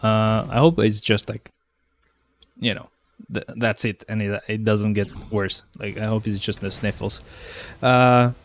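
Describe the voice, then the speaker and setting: A man's voice: lowish voice, level tone, a little slow. A young man with a stuffy nose from a cold, chatting casually to his live-stream viewers and getting exasperated with the game. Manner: chatty, easily exasperated, talks to chat.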